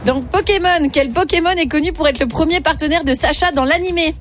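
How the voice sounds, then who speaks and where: Playful high-voiced female co-host. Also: fairly quick, a bit bright, faint music behind. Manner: playful, laughs easily. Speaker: radio co-host, quiz reader. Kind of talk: casual radio banter.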